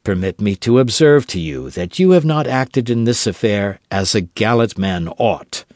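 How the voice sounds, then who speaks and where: A man voicing a suave young musketeer who is half a churchman, speaking in a measured, dryly mocking, controlled way in an audiobook. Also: lowish voice, lively intonation, a little mellow, no room sound, clean studio sound. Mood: cool, reproving. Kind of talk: audiobook character voice.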